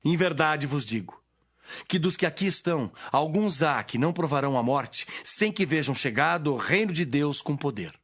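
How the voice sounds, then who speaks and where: A male actor performs a stern male teacher in an audio Bible drama. The delivery is solemn and declamatory, with animated, emphatic swings in pitch. The voice sits fairly high for a man, with prominent music behind it. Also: moderate pace. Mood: solemn, teaching.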